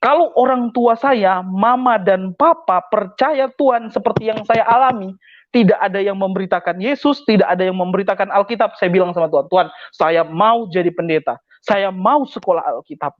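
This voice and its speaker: High-voiced young man giving testimony. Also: moderate pace, no echo. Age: young adult. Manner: emphatic, repeats phrases for effect. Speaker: testimony speaker. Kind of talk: personal conversion testimony. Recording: dull, dry lo-fi recording.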